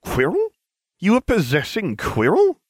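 A man voicing a smug, excitable young male wizard who is flippant and indignant, in a storybook. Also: on the low side, fast, no echo, clean studio sound. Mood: incredulous. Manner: incredulous, flippant, exclaiming. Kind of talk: storybook character acting.

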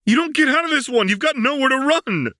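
A man's voice: very high voice, lively intonation, brisk, bright, forceful tone, dry recording, studio quality, pitched above the performer's own voice, exaggerated voice. A man voicing a tough, desperate young woman fighter, a protective older sister, blunt and strained in an audiobook. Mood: anguished. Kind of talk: audiobook character voice.

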